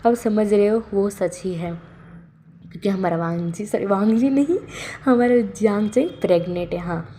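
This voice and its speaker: A woman tells a fan-fiction story in a loose, conversational way, often pausing on fillers and correcting herself. Her voice is dark and mellow. A faint noise hums under the recording. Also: medium pitch. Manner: chatty, rambling, many fillers; addresses viewers directly. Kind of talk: casual fan-fiction retelling.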